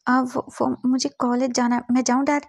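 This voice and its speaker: A woman's voice: high-pitched, flat delivery, moderate pace, creaky, no echo, studio quality. A woman voicing a shy, timid young student who hesitates and stammers.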